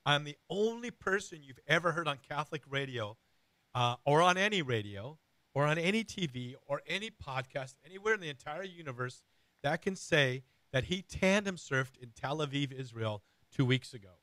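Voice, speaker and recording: Man, middle-aged, radio host, raspy, hoarse, earnest rambling, dry close sound. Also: a little high, expressive, moderate pace, sharp tone, dry recording. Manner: earnest, rambling with many fillers and restarts.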